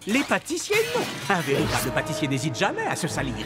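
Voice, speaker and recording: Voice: medium pitch, wildly swooping pitch, fast, over loud music. An actor voicing a scheming, disdainful villainous pastry chef in a French cartoon dub, theatrical and sneering. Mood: smug, scornful. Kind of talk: French animated series dub acting.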